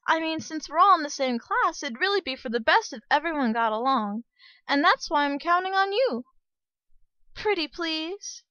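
Woman doing a sugary high-pitched anime schoolgirl. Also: a bit bright, no echo, dull audio. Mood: sweet, friendly. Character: sweet, polite schoolgirl with murderous calm. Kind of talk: anime dub audition acting.

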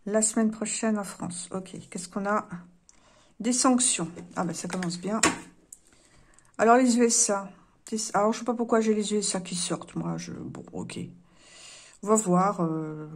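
A woman's voice: mid-range voice, darkish tone. A woman lays out oracle cards and chats through them with her viewers. Her talk is loose and wry, full of fillers and small jokes. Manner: chatty, wry asides, many fillers. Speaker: card reader. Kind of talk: casual tarot-style card reading.

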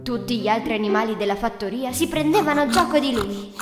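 A woman's voice: fairly high pitch, lively intonation, fairly quick. A woman narrating a scripted fairy tale for children. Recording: reverberant, loud music behind.

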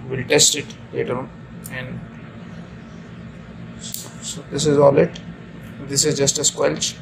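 Creaky-voiced man, flat and halting. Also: mid-range voice. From India. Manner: halting, repeats and rephrases himself. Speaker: ship officer giving an equipment tutorial. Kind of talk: informal hands-on demonstration. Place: indoors at a chart table aboard ship. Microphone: handheld phone camera mic. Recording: noisy room, amateur phone video. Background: steady room noise.

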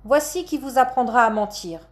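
Lady doing an old guy on stage, big theatrical voice, loud and exclaiming, pitched up high. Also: expressive, takes it slowly. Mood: commanding. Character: older man acting a grieving stage father.

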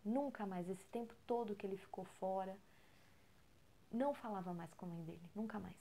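A Brazilian woman with a Brazilian Portuguese accent, talking at home in a soft, almost whispering voice as she tells a story for a podcast. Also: medium pitch, normal speed, slight background noise. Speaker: podcast co-host. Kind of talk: storytelling talk.

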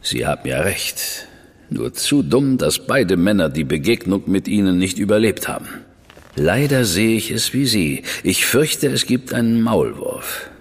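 An actor playing a composed, sardonic Victorian spymaster who briefs an agent in a measured way. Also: male voice, on the low side, sing-song, long reverb tail, heavily acted. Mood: dry. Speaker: senior crown official briefing an agent. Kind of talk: studio radio drama acting.

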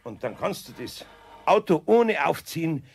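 A kindly older Bavarian craftsman, with a husky, creaky voice. He sounds patient, indulgent and homely, his pitch moving in lively swings, as in a children's radio play. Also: moderate pace, full character voice. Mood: practical, patient. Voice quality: gravelly, husky. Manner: good-natured, indulgent, homely. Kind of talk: children's audio drama acting.

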